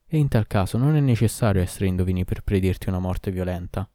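A man's voice: sits low, fast, dark tone, no echo, clean studio sound, close to an everyday voice. A man voicing a scolding wife in a storybook reading, reproachful and insistent. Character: scolding, sharp-tongued wife.

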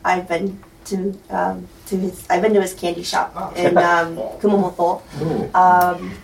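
A woman from the audience asking a question at a panel, halting and full of fillers. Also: lowish voice, flat delivery, creaky. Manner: slow, halting, giggly with fillers. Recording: echoey hall, distant mic, faint noise.

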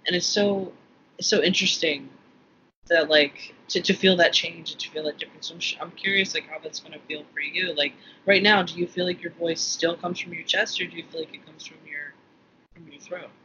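A man's voice: fairly high pitch, fairly even intonation, a little fast, pushed and bright. A man co-hosting a podcast, talking casually and rambling with restarts. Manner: rambling, many restarts, laughs easily. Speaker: podcast co-host. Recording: dull lo-fi audio with faint room noise.

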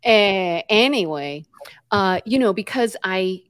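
Animated but slow-paced, her medium-pitched voice sounds a bit bright and clean. She's a middle-aged guest who grew up in the US with Puerto Rican family roots, telling stories conversationally, playing out quotes and weaving in Spanish.

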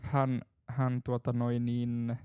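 A man's voice: mid-range voice, monotone, dark tone, clean tone, dry recording. A young man from Finland hosting a casual drinking podcast, telling stories loosely and laughing often. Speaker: podcast host.

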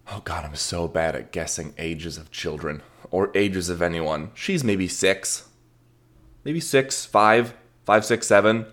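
A young adult man hosting a podcast, telling a rambling, self-deprecating story and swearing casually. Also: low-pitched. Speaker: podcast host.

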